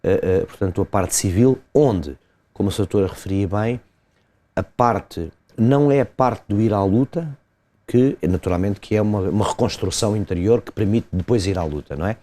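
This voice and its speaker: A man, a lawyer explaining a legal case step by step in an interview, pausing and hesitating often. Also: fairly low pitch, warm tone. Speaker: lawyer commenting as guest.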